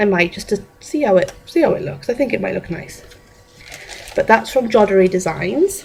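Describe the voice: Her voice is medium-pitched for a woman, slightly mellow, with a slightly husky edge and vocal fry. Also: lively intonation, moderate pace.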